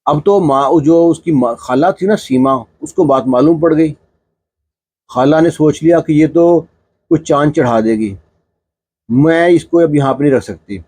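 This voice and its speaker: A man telling a village folk tale in a relaxed, chatty way, filling his sentences with small spoken fillers. His voice is husky and sits a little high. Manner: conversational, fillers like "na" in narration. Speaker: storyteller. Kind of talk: told folk story, casual narration.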